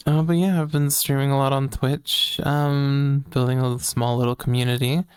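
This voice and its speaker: A woman's voice: a bass voice, moderate pace, smooth, dry recording, clean studio sound. A trans woman co-hosting a casual podcast, chatty and giggly, tired and working on a feminine voice. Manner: giggly, laughs often, animated. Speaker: podcast co-host and streamer. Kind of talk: casual chat.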